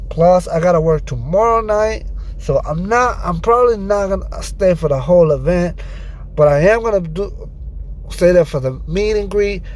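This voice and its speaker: A man's voice: sits high, darkish tone. A man talking casually as a solo vlog host, rambling and repeating words as he doubles back, recorded in a car. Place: inside a car while driving on city streets at night. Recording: clear car and street noise. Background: car and traffic noise.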